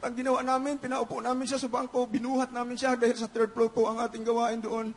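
Man, middle-aged, very high voice, flat delivery; fervent church testimony in a large hall. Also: fast talker. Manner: fervent, repeated hallelujahs and frequent shouting. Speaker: church member giving testimony.

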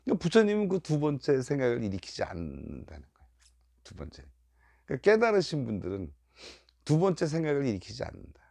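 A man's voice: mid-range voice, huge pitch swings, fast, creaky, dry recording. An older man giving a Buddhist dharma lecture, repeating key phrases and acting out worried inner voices. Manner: emphatic, rising and falling loudness.

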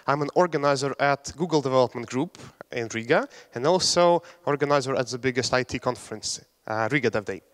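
A man's voice: medium pitch, a little fast, hardly any pauses. A young man from Latvia giving a casual, joking technical talk on a conference stage, with fillers and restarts. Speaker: conference speaker. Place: large conference hall on stage. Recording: hall reverb.

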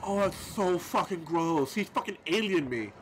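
Excitable man with a lisp. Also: sits high, normal speed, low-quality recording. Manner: swearing, excitable, rambling with many restarts. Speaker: gameplay commentator. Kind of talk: let's play commentary.

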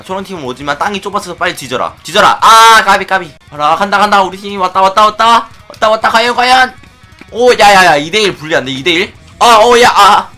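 A man giving excitable play-by-play commentary on his Minecraft minigames, often chanting and shouting as he plays. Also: high voice. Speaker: gaming YouTuber.

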